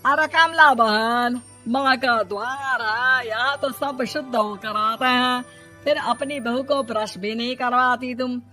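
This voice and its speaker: A gossipy middle-aged temple lady, acted by a woman in an animated story. Her voice sits fairly high. She lectures in a snide, preachy tone. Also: slow pace, faint music behind.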